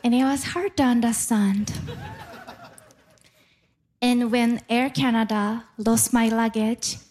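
A woman's voice: fairly high pitch, fairly even intonation, slow, darkish tone. A middle-aged woman from Japan with a Japanese accent, doing playful stand-up comedy and crowd work before a live audience. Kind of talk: stand-up set.

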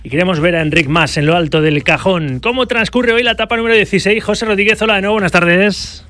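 A man hosting a radio sports show, briskly presenting segments and handing over to reporters. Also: high-pitched, a bit bright, dry recording, faint music behind.

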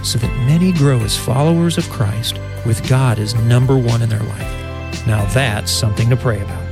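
A man's voice: medium pitch, normal speed, gravelly, music in the background. A man reading a short scripted prayer spot for a radio station, earnest and sincere. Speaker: prayer segment reader.

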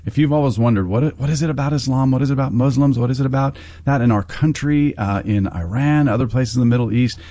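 A man's voice: medium pitch, fast talker, hardly any pauses, dark tone, dry recording. An older man hosting a Christian radio interview, chatty and affirming. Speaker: radio host, former university president.

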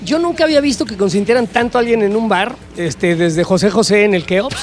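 Man, Mexican accent, sports show host, high-pitched, joking, self-correcting. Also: brisk, very noisy. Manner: joking, trips over words and corrects himself. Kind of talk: studio panel chat.

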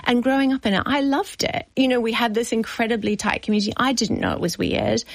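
A woman's voice: on the high side, fairly even intonation, quick pace, creaky, no echo, low-quality recording. A woman, a novelist talking in a reflective radio interview, effusive and thinking aloud with many asides. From New Zealand.

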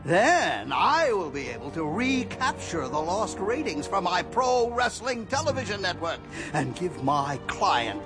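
Cackling mad-scientist villain guy, man acting it, high voice swooping all over, slow and smug, music under it. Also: big pitch swings. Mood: scheming. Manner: theatrical, cackling. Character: scheming male wrestling manager turned mad scientist, gloating villain. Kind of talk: comedy audio drama.

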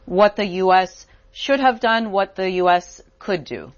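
A woman hosting a call-in program, briskly passing questions to guests and bringing in callers. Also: mid-range voice, highs cut off. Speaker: host. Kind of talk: call-in radio moderation.

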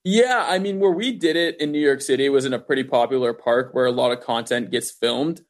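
A man's voice: medium pitch, a little fast. A young American man giving casual interview answers in informal, slangy speech peppered with "like". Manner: informal, youthful slang, frequent "like". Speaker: interview guest, event host.

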